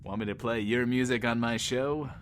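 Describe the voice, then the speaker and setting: An actor playing a sleazy, wisecracking post-apocalyptic radio host in an audio drama, smug and flippant, speaking of himself in third person. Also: male voice, mid-range voice, fairly even intonation, normal speed, slight background noise, close to an everyday voice. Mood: smug, teasing. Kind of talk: in-world radio show patter, audio drama.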